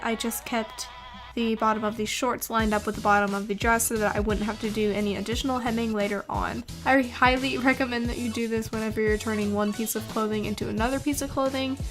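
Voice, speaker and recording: A woman's voice: fairly high pitch, steady tone, a little fast, music in the background. A young adult woman reading a tutorial voice-over, explaining things step by step.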